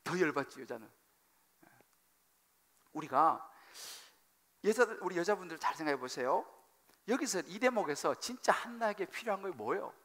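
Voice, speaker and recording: A male senior pastor preaching a sermon, animated and humorous, acting out dialogue and questioning his congregation. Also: high voice, moderate pace, long pauses. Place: church sanctuary.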